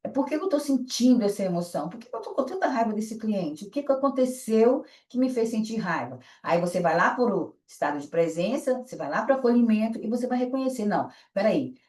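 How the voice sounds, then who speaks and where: A woman's voice: on the high side, lively intonation, fast, hardly any pauses, a little mellow. A woman with a Brazilian Portuguese accent teaching an online course, asking and answering her own questions. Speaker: instructor. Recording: echoey room, voice from a distance.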